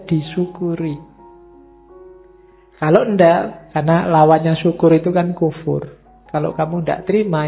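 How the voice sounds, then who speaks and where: A man giving a relaxed, conversational religious lecture in a mosque and speaking straight to his audience. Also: on the high side, vocal fry. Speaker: lecturer on Islamic philosophy. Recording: tinny lo-fi recording with faint music.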